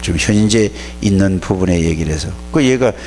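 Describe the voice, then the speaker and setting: This man, a pastor, is giving a sermon to young people, telling stories and scolding them in plain words with an animated, plain-spoken manner. His voice is deep and moderately paced, with a little hiss or hum in the recording.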